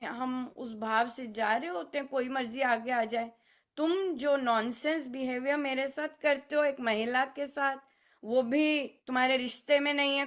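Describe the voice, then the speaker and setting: A woman giving an unhurried spiritual talk to a family gathering, mixing Hindi with English phrases and acting out little scenes in different voices. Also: high voice, a bit bright. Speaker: spiritual speaker.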